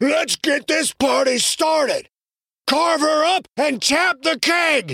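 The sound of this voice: Someone speaks in a put-on character voice with a high pitch. The pace is fairly slow.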